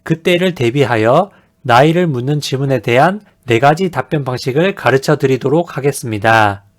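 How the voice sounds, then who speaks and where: A man giving a scripted beginner English lesson in a measured, polite, explanatory manner. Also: medium pitch. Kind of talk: scripted instructional narration.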